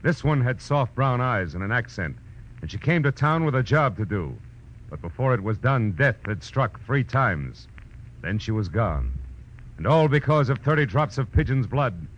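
A man's voice: medium pitch, very animated, normal speed, a bit bright, slight background noise. A man with an American accent playing a world-weary, terse, slangy private detective in 1940s radio noir style. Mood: grim, hard-boiled. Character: hard-boiled male private detective narrating his case. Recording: dull vintage radio recording with music.

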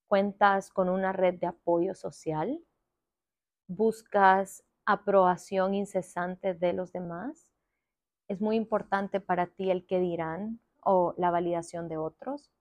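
A young woman hosting a wellness podcast, gently guiding listeners through reflective questions. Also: fairly low pitch, fairly even intonation, takes it slowly, no echo, lo-fi sound. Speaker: podcast host.

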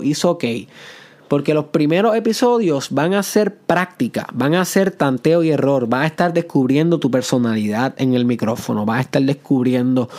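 A man hosting a motivational podcast, sprinkling English phrases into his talk and playing his voice between loud and soft. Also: mid-range voice. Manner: plays with loud and soft delivery for effect. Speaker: podcast host.

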